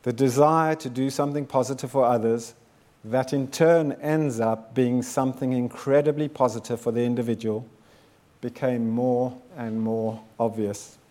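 Man, 50s, from South Africa; founder's keynote, measured and sincere, middle-pitched. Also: fairly even intonation, dark tone. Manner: measured, earnest, builds with repeated phrases. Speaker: founder giving a talk. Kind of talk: prepared speech to an audience.

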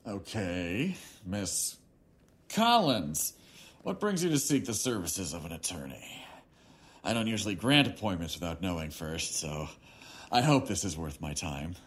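An actor in an audio drama playing an arrogant, resentful lawyer son with a contemptuous, biting manner. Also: male voice, sits low, sing-song, a little slow, a bit bright, heavily acted. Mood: haughty, impatient.

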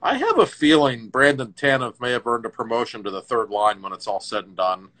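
In a laid-back hockey talk show, a middle-aged man with a medium-pitched voice tells stories, his tone swinging in lively, emphatic ways. He speaks loosely and conversationally, with quick bursts of emphasis breaking through.

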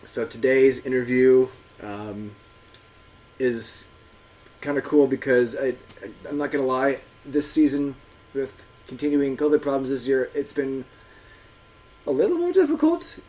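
A male podcast host at an ordinary mid-range pitch, chatting loosely and circling back on himself with lots of ums and you-knows. He sounds easygoing and conversational as he introduces the episode. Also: expressive, measured pace, darkish tone, low-quality recording. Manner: rambling, filler-heavy, chatty. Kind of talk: casual podcast introduction and interview.

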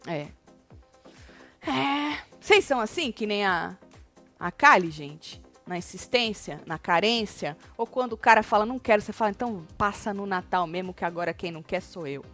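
A woman's voice: mid-range voice, moderate pace, faint music behind. A woman hosting a casual chat about a reality show, retelling scenes and acting out what people said. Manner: animated retelling, acting out quoted lines.

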